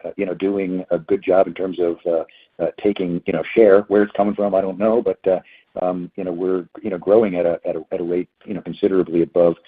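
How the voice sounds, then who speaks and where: A male company executive answering questions on an earnings call in a halting, word-repeating way. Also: low voice, flat delivery, slightly rough. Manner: halting, hesitant, repeats words. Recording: phone-like narrow band conference call.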